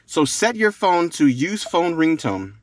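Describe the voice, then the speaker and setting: A man's voice: a little high, sing-song, a little slow, no room sound, studio quality. A man talking casually through a how-to demonstration as a tutorial host, often repeating phrases for emphasis. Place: inside a car.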